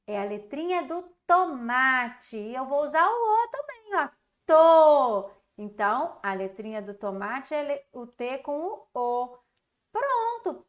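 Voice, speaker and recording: A Brazilian woman with a high voice gives a recorded lesson to young children. She speaks slowly, sounding out syllables in a sing-song way and praising the class. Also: bright, forceful tone. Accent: Brazilian Portuguese. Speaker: primary school teacher.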